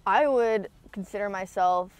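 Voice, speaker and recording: A young Canadian woman speaks as a student athlete in a relaxed interview. Her pitch is middling for a woman and her phrasing is informal and slangy. She is recorded outdoors on a sports field. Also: unhurried, clear, resonant tone, dry recording. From small town in Ontario, Canada. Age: young adult. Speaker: university athlete being interviewed. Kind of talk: casual interview chat.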